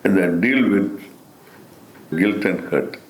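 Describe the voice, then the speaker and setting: An older man with an Indian accent gives a spiritual discourse as a Hindu teacher, deliberate and emphatic, repeating phrases and posing rhetorical questions. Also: deep voice. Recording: roomy, echoing sound.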